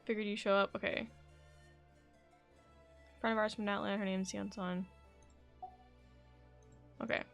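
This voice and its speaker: A woman's voice: mid-range voice, little pitch movement, measured pace, gravelly, pauses often. A woman live streamer giving casual commentary on a game and reading its dialogue aloud. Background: game music.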